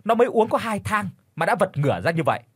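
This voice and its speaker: A man's voice: on the high side, sing-song, fast, husky, no room sound, clean studio sound. A man voicing a greedy, cowardly village shaman who stammers and blusters. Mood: snapping.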